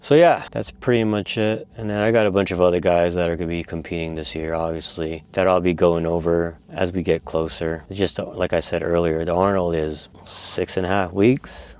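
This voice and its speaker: A man coach talking casually to his viewers in a vlog, going through his athletes' check-ins and sometimes dropping into quieter asides. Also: deep voice, fairly even intonation, moderate pace, hardly any pauses, smooth. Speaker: bodybuilding coach and vlogger.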